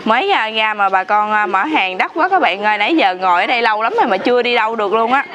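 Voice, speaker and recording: A woman's voice: a little high, animated, fast. A young woman with a southern Vietnamese accent, chatting in a familiar, exclamatory way as a street vendor and vlogger. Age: young adult. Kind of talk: casual chat with customers and viewers. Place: open roadside yard outdoors. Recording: outdoor street noise behind voice.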